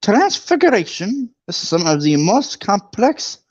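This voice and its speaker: A man's voice: sits high, very animated, unhurried, breathy edge, muffled recording, voice pushed up, heavily acted. A man voicing a strict, stern older witch teacher with a clipped, warning delivery.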